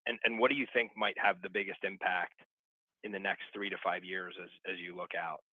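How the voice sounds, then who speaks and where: Low-voiced male analyst on tinny phone. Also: fairly even intonation, a little fast, husky, no echo. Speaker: financial analyst. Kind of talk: earnings call questioning. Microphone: telephone. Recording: dry, tinny phone line.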